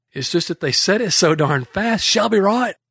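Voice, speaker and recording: In a Texan accent, a man speaks with very wide pitch swings. The sound is dry and close with no echo, over a quiet background. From Texas. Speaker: storyteller. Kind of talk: casual chat. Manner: animated.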